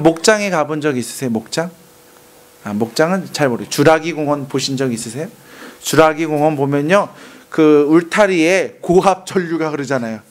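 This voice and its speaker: High-voiced animated Korean male pastor. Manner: animated, acts out angry outbursts and calls for repetition. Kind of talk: sermon.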